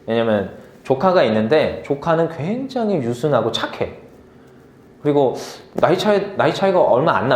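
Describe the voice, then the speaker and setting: A man in his thirties preaching a casual sermon, telling stories and acting out the voices of the people in them. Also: medium pitch. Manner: animated storytelling, acts out quoted voices. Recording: echoey room.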